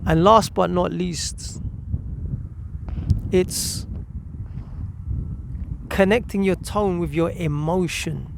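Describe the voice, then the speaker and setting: A man with a high, somewhat bright voice presents a parenting coach video amid slight background noise. His direct instructional talk hammers home key words through emphatic repetition and poses rhetorical questions.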